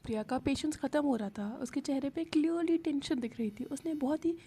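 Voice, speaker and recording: A woman's voice: high voice, a little fast, dark tone. A woman narrating a love story in a plain, conversational storytelling style.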